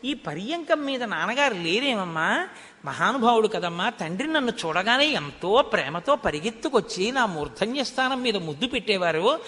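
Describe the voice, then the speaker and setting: A man's voice: high-pitched, big pitch swings, normal speed, pushed and bright, heavily acted. A man voicing a grieving young prince who pleads and questions his mother in a religious discourse. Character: grieving young prince, devoted son and brother. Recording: long hall reverb.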